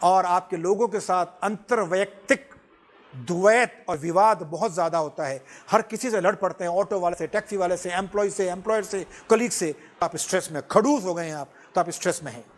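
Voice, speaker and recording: A middle-aged man lectures students with lively, animated delivery, often chuckling as he talks. His voice sits noticeably high for a man, and he drops English phrases freely into his talk. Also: a little fast.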